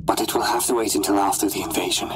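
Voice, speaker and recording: Man playing dark lord of a space empire, low voice, brooding, calculating, pompous villain delivery, deliberate phrasing, audio drama log. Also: fairly even intonation, background noise, close to an everyday voice. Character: ambitious, brooding male Sith Inquisitor, menacing and calculating. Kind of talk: scripted in-character log narration.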